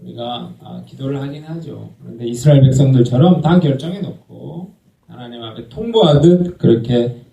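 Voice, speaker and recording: 한 남자 목사가 설교하면서 회중에게 질문을 던지고 스스로 답한다. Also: male voice, medium pitch, normal speed, vocal fry, dark tone, lo-fi sound. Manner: asks the congregation questions and answers them himself. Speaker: pastor. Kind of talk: sermon. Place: church sanctuary. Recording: echoey church hall, mic at a distance.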